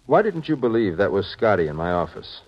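An actor playing a probing, authoritative security chief, speaking briskly and seriously in 1950s radio drama style. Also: male voice, fairly low pitch, very animated. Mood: firm, probing. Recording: muffled 1950s radio recording.

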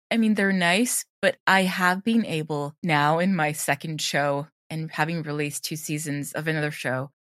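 A woman's voice: on the low side, no room sound, studio quality. A woman talking casually as an interview guest about her creative work, animatedly voicing imagined quotes as she goes.

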